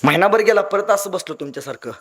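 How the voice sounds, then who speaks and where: A man giving a motivational speech to young people, telling stories dramatically and swinging between loud appeals and hushed lines. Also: high-pitched, expressive, fast talker. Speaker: motivational speaker.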